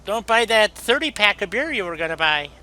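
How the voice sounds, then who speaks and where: High, bright-voiced rambling man gamer. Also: big pitch swings, brisk, poor audio. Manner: rambling, folksy, full of "you know". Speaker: game streamer. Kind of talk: casual gameplay commentary chatting with a viewer.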